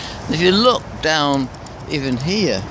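A man's voice swings very widely in pitch. The sound is dry with no echo, and there is noticeable background noise. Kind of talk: casual vlog commentary. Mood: indignant, exasperated. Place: street. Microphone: phone near.

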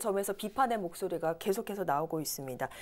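A woman speaks with very wide pitch swings. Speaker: TV news announcer. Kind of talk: broadcast talk show hosting. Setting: studio. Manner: formal. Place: studio. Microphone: lapel.

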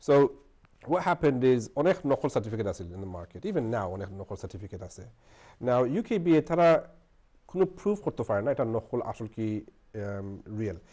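A man speaks at a medium pitch in a dark, mellow tone, with very wide pitch swings. His loudness swings widely, and the background is quiet. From Sylhet, Bangladesh heritage, raised in UK; Bangladesh. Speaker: TV co-presenter and educator; TV show host or panelist. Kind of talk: TV studio discussion. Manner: code-switching Sylheti and English. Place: studio. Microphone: lapel.

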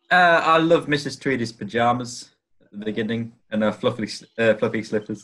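A man speaks in a British accent with a bright, sharp tone. His pitch varies in an ordinary way over a quiet background. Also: moderate pace. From England. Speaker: film podcast co-host. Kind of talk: casual chat. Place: home room. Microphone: video call.

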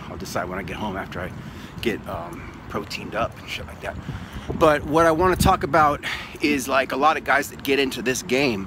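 With noticeable background noise but a dry sound with no echo, a man speaks at a moderate pace with big swings in loudness. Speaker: dating coach vlogger. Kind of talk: casual vlog chat. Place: street. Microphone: phone near.

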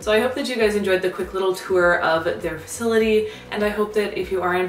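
A woman speaks with ordinary pitch variation. Faint music plays in the background, and room echo is audible. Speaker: content creator. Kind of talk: casual vlog chat. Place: home room.

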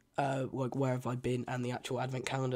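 A very fast pace amid noticeable background noise. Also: man. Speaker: toy unboxing youtuber. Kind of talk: casual unboxing vlog.

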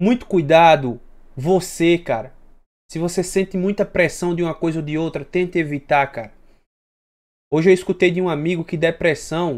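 Quiet background behind a man speaking at a moderate pace in a high pitch. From Brazil. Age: 20s. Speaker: fitness youtuber. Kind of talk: video commentary. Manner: earnest. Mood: somber, earnest. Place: home room.

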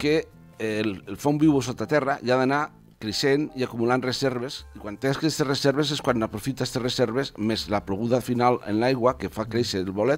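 A man talks at a moderate pace with ordinary pitch variation. Faint music plays in the background. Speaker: guest. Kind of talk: interview answer. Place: studio. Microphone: studio mic.

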